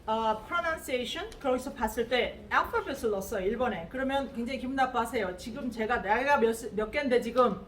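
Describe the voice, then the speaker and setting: A woman's voice: on the high side, a little fast, hardly any pauses, slight background noise. A woman teaching English pronunciation to a class, modelling sounds and having them repeat. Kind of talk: classroom lecture with drills. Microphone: distant room mic. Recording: echoey classroom from far off, class audible.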